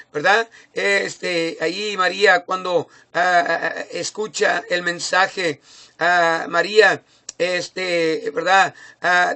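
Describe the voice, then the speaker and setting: A man's voice: high-pitched, bright, forceful tone. A man preaching a sermon, speaking with many fillers and tag questions and rising in volume for emphasis. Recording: phone recording.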